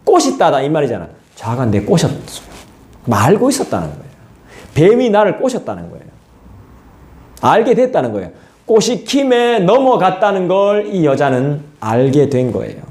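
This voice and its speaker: A male pastor, preaching an expository sermon in a lively, colloquial way and talking straight to the congregation. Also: fairly high pitch, moderate pace. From South Korea. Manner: lively, colloquial, acts out scolding voices and asides to the congregation. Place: church sanctuary. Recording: echoey church hall.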